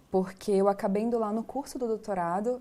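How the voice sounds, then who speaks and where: A woman with a Rio Grande do Norte accent speaks fairly quickly at a medium pitch, her tone dark and mellow and her pitch varying in an ordinary way. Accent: northeastern Brazilian (potiguar), noticeable. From Brazil, Natal (Rio Grande do Norte). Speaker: law scholar and restorative justice facilitator. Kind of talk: TV interview.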